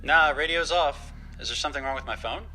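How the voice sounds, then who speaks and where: An actor playing a worried, protective older father in an audio drama, gently cautioning and a little hesitant. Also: fairly high pitch, a little fast, slight background noise. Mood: easygoing. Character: worried, protective older dad, homebody tinkerer. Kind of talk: naturalistic audio drama acting.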